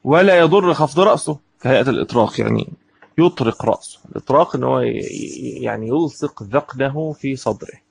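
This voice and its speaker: A man with an Egyptian accent teaches from a classical legal text. His voice is husky and sits at a middle pitch. He moves between reading the book and explaining it in everyday speech, often asking a question and answering it himself. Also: expressive, a little fast, no echo. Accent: Egyptian Arabic. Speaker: Islamic law teacher.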